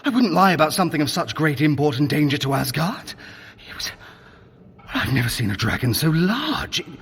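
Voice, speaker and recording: A sly, theatrical trickster god in an audio drama, heard in a reverberant hall. The delivery swings dramatically up and down, wordy and pompous, full of teasing mock innocence. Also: male voice, fairly high pitch, sing-song, fairly quick, vocal fry, a bit bright, a little hiss or hum, heavily acted. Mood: feigned alarm. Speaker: guide of a training adventure.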